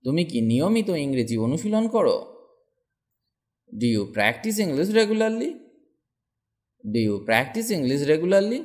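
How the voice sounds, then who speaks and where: Slow, lively male English drill teacher. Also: fairly high pitch. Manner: reads each English sentence slowly twice after the Bengali one. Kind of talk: slow drilled sentence practice.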